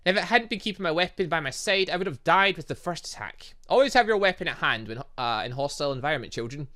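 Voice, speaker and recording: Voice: medium pitch, animated, fast talker, bright, forceful tone. A game streamer voicing a pompous older male professor who lectures students in a formal, grandiose way. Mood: pompous lecturing. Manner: formal, grandiose teacherly delivery.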